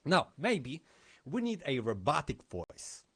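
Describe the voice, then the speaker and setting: A man speaking at a conference, talking through a technical lesson. He explains live demos in a slow, unhurried way. His pitch moves around a lot as he talks. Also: huge pitch swings, fairly bright tone, husky. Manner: explanatory, with demo commentary.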